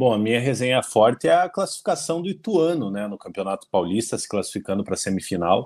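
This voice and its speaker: Over a very clean, silent background, a medium-pitched man talks at a very fast pace with hardly any pauses, very wide pitch swings and big swings in loudness. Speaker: football podcast co-host. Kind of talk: casual chat.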